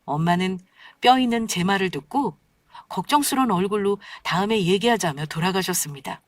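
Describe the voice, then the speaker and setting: A woman narrating a first-person story script in a calm, matter-of-fact way. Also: mid-range voice, fairly quick, no room sound, clean studio sound.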